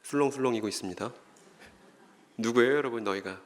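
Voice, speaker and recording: A man's voice: medium pitch, fast talker. A man giving a Bible lecture at a church, who keeps putting questions to the audience and then answering them himself. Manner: acts out short scripture dialogues in voices. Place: church hall. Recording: long reverb of a church hall.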